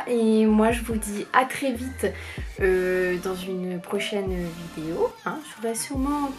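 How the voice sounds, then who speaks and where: Chatty young woman doing a makeup tutorial. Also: on the high side. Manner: chatty, rambling, many fillers. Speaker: beauty vlogger. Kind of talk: casual makeup tutorial chat. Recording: faint background music.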